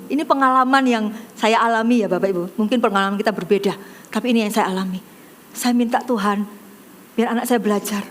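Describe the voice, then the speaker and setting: A middle-aged woman pastor with an Indonesian accent preaches in a church service. Her voice sits high, and she tells a personal story with lively, animated delivery. There is faint ambient noise behind her. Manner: animated storytelling, acts out quoted voices, addresses congregation directly.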